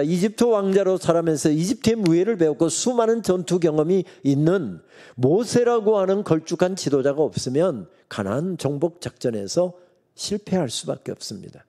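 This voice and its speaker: A middle-aged man preaches a revival sermon from the pulpit mic in a church sanctuary. His voice is mellow and somewhat high, and his pitch swings widely as he tells the story and plays its characters with humor. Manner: storytelling preacher who acts out God's and Moses' lines with humor. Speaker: guest pastor preaching at a revival meeting.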